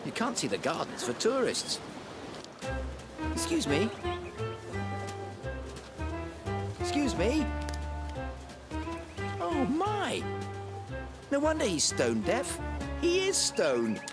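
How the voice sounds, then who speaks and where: An actor voicing a polite, earnest young bear in a cartoon. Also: male voice, extremely high pitch, wildly swooping pitch, slow pace, pauses often, exaggerated voice. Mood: puzzled, polite. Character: polite, earnest young male bear from Peru, well-meaning. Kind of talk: animated cartoon character acting. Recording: loud music under the voice. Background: music.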